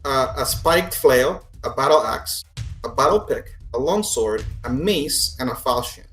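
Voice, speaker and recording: A man narrates a tabletop game as game master in a mid-pitched voice. He explains scenes in a halting, conversational way, recorded in a roomy, echoey space with soft music underneath. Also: lively intonation. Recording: echoey room.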